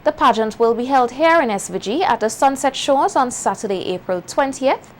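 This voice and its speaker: A woman reads the local news in a measured, formal voice pitched a little high. A faint hiss sits under the recording. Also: animated. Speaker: news anchor. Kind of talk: scripted news reading.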